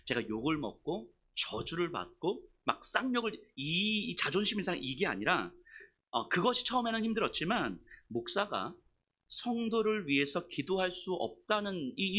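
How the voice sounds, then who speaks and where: Bright-voiced, lively male pastor preaching. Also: on the high side. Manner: emotional, confessional storytelling; shifts between soft asides and loud outbursts. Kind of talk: sermon.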